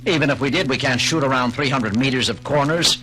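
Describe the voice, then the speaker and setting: An actor playing a decisive, commanding starship captain under strain in a 1970s audio drama. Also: male voice, mid-range voice, brisk, sharp tone, slight background noise, close to an everyday voice, rough recording. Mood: urgent, firm. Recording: 1979 children's vinyl record, music behind.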